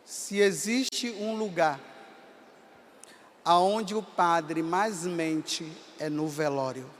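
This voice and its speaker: A Brazilian priest in his fifties with a Bahia accent, telling stories in a sermon and rising to impassioned shouts. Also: fairly high pitch, very slow, slight background noise. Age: 50s. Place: large hall at a camp gathering. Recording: long reverb of a large hall.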